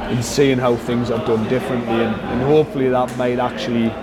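A man's voice: medium pitch, flat delivery, brisk, over a noisy crowd, low-quality recording. A man speaking as a performance coach in an interview, explaining things conversationally and circling back with frequent "you know".

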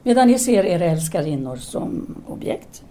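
Actress as a mellow, earnest intellectual woman. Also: on the low side, very animated. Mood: probing, earnest. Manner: earnest, formal, articulate. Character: Castor, intellectual Parisian woman, candid, brooding, devoted lover. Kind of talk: audio drama acting, formal literary dialogue.

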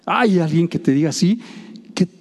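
A man preaching a sermon, reading scripture and retelling it in a lively, joking storyteller's way. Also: on the high side, moderate pace. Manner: animated storytelling, acts out voices, jokes with the congregation. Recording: long reverb of a hall.

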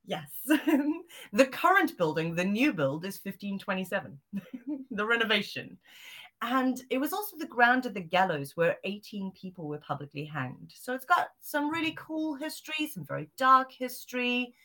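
A woman from Zimbabwe and South Africa, a guest telling her story in a lively interview. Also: mid-range voice, normal speed. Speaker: guest, psychic medium and author. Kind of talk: interview answers.

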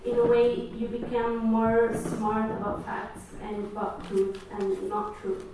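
A woman's voice: fairly high pitch, level tone, measured pace, background noise. A woman from Tunisia speaking as a panelist, thoughtful and reflective. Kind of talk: panel discussion. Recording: echoey hall, distant mic.

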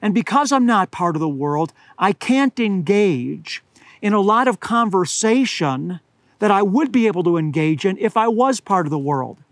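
Older guy preaching outside, kinda hoarse, high voice, slow and earnest on the big words, dry close sound. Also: expressive, no echo. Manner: earnest, deliberate, slows to stress words. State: slightly hoarse. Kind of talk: outdoor sermon. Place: outdoors among pine trees at high altitude.

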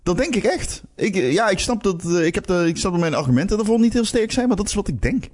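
Animated man with lively pitch. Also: fast talker. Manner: animated, stumbling restarts, laughs while telling. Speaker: podcast co-host. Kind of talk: casual chat.

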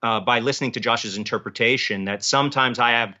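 A man's voice: mid-range voice, quick pace, sharp tone, dull audio. A man talking casually as an author being interviewed about his work.

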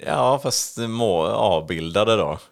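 A man's voice: lowish voice, animated, creaky. A man co-hosting a casual podcast, leading the topics and talking with frequent hesitations and restarts. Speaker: podcast co-host. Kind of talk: casual chat.

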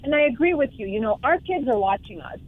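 A woman's voice: a little high, expressive, fast talker. A woman from Congo, a home decor creator, talking earnestly and from the heart as a guest in a casual interview. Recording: tinny phone-like line, dry.

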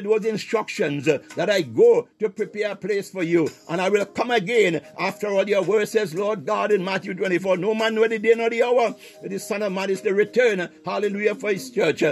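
A man leading a fervent, unscripted Christian prayer as a preacher, impassioned and punctuating his phrases with exclamations of praise. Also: sits high.

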